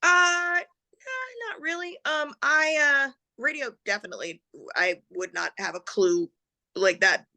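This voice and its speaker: A woman's voice: high-pitched, expressive, a little slow, pushed and bright. A middle-aged woman chatting casually as an interview guest, laughing often and growing emotional as she remembers. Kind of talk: casual conversation.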